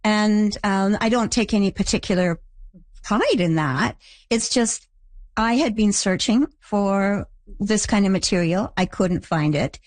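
Older canadian-raised lady answering interview q's, slow and thoughtful, lots of restarts, dry close mic. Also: mid-range voice, no room sound. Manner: reflective, halting, with restarts. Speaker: guest, creator of a teen drama.

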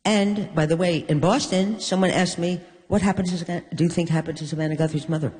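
An older woman from New York, a guest in an onstage conversation, telling stories with wry, deadpan humor. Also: fairly low pitch, a little fast, slight background noise. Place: stage in a hall. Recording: long reverb of a large hall.

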